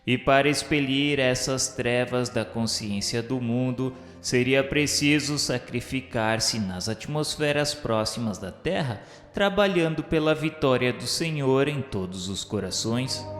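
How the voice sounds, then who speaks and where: A man with a Brazilian accent reads scripted radio novela narration in a solemn, formal, measured manner. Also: mid-range voice, a bit bright. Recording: echoey reverberant voice over music. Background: music bed.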